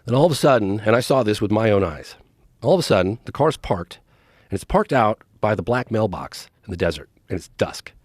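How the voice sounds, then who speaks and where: A man's voice: on the low side, a little fast, no echo, studio quality. A middle-aged man, a documentary filmmaker guest, telling a story in a casual podcast interview and acting out quoted dialogue. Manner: animated, acts out quoted dialogue.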